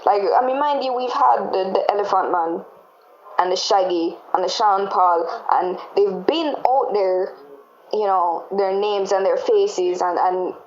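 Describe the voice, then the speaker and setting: A woman's voice: mid-range voice, measured pace. Jamaican woman explaining, in an echoey room. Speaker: podcast host. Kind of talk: casual discussion. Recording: echoey, dull lo-fi room with faint noise.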